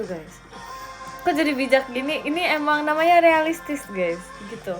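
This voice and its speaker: High-voiced giggly young woman chatting. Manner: giggly, playful, teasing, frequent laughter. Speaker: idol livestreamer. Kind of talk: casual live-stream chat reading viewer comments.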